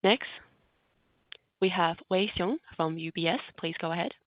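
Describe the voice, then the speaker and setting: A woman's voice: lowish voice, measured pace, no room sound. A woman operator moderating a conference call in scripted phrases. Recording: dull dry conference line audio.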